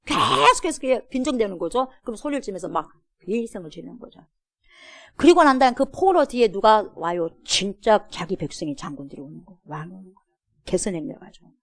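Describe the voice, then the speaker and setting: A woman pastor with a Jeolla accent, preaching a sermon to her church and firing questions at the congregation. She swings between loud exclamations and soft asides. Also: mid-range voice, big pitch swings, fairly quick, no room sound, studio quality. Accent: Korean, Jeolla. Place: church sanctuary.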